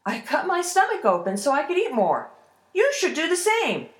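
A woman's voice: fairly high pitch, very animated, a little slow, a bit bright, echoey room, voice pushed up. A woman voicing a bold, cunning farm lad in a folktale, with a cocky, nonchalant manner. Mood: sly, nonchalant. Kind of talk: folktale storytelling.

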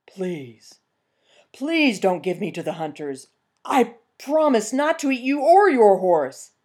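A woman voicing a hungry, bullying male bear in a told folk tale, slow and menacing. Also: low voice, very animated, heavily acted.

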